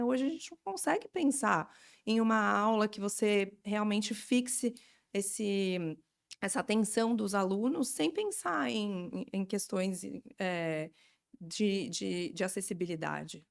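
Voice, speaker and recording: This is a Brazilian woman in her forties with a mid-pitched voice and plenty of vocal fry. She talks as a guest in an interview, explaining things in an informal way. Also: a little slow. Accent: Brazilian Portuguese. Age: 40s. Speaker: interview guest, education NGO representative.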